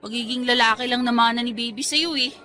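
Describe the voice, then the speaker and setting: A woman's voice: fairly high pitch, steady tone, fast, pushed and bright, soft background music. A woman playing a cheeky young niece in a Tagalog radio drama, teasing and playful as she bargains for treats.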